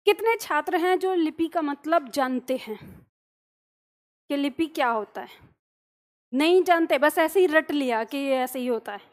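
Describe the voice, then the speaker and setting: A woman with a high voice teaches a grammar lesson. She explains patiently with simple everyday examples. She keeps asking her class questions and then answering them herself. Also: expressive, measured pace, long pauses.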